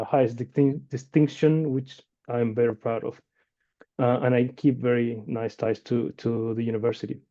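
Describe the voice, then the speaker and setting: A man from Chile, in his forties, presents his invention to an online audience. His voice is deep-toned and mellow, the talk easygoing and full of hesitations. The sound comes through a dull, lo-fi video call. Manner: conversational, with frequent fillers and restarts. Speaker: inventor and company founder presenting. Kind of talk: webinar presentation.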